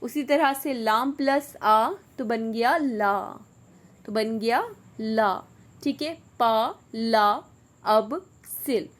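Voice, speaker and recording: A woman's voice: fairly high pitch, fairly bright tone. Patient woman syllables. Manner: slow, drawn-out syllables for repetition; frequent "theek hai" checks with the learner. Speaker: Urdu teacher. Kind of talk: online beginner lesson.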